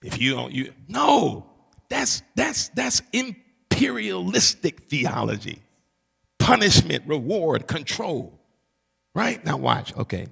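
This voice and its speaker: A man's voice: a little high, sing-song, takes it slowly, creaky, fairly bright tone, slightly rough, big-room sound. A man preaching a teaching sermon as pastor, with emphatic repetition and call-and-response asides to the congregation. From Barbados.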